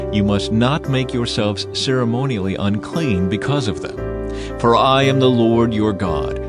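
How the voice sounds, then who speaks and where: Solemn man narrating scripture over music. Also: on the low side.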